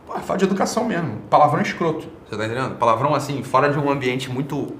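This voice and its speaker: A man's voice: mid-range voice, lively intonation, racing, a bit bright, a little hiss or hum. A man hosting an online show, giving a blunt, casual opinion monologue full of slang, swearing and rhetorical tag questions. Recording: roomy echo.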